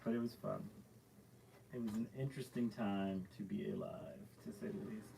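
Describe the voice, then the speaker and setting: A man's voice: lowish voice, fairly even intonation, normal speed, creaky, background noise. A man, a painter hosting a live stream from his art studio, chatting casually and rambling through loose stories with lots of fillers as he paints.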